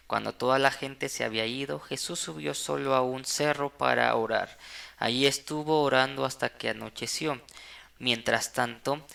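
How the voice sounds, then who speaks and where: A man's voice: mid-range voice, gravelly, bright, forceful tone, smooth. A man reading Bible passages aloud for a church audio channel, with small stumbles and restarts. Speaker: Bible reader. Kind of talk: scripture reading.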